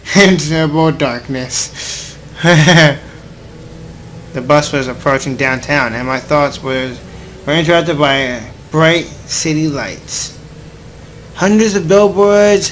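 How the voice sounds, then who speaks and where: On a low-quality recording with slight background noise, a man with a somewhat high, fairly bright voice does let's play commentary. He reads the visual novel's text out loud, occasionally tripping over words, and reacts in a playful way.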